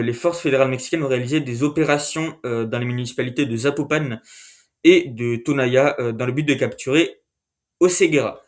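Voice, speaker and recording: A man at an ordinary mid pitch talks through a monthly recap in a relaxed, unscripted way. He stumbles often and fills the gaps with filler sounds, stopping to correct himself before pressing on. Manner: hesitant, many fillers and self-corrections. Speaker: video host. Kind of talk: casual monthly recap narration.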